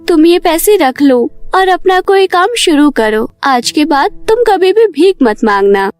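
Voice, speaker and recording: A woman's voice: very high-pitched, expressive, measured pace, no echo, faint music behind. A woman voicing a kind, sensible young elder sister in a cartoon story, earnest in manner.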